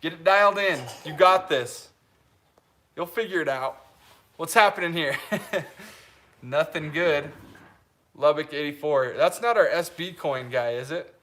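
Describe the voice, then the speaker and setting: Bright-voiced young man, rambling live stream. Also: a little high, a little slow, pauses often. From Utah. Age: 20s. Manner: rambling, with many restarts and fillers, laughs easily. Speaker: leatherworker hosting a live stream. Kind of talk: casual live-stream chat, reading viewer comments.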